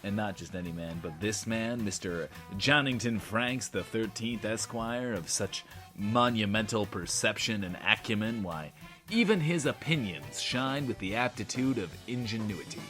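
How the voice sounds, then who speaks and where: An actor playing a swaggering but insecure host of a post-apocalyptic bunker radio show, talking in a pompous, wordy, theatrical way. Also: male voice, lowish voice, expressive, normal speed, a bit bright, faint music behind. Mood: pompous, showy. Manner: pompous, wordy, theatrical, talks of himself in third person. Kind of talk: in-world radio show monologue, audio drama.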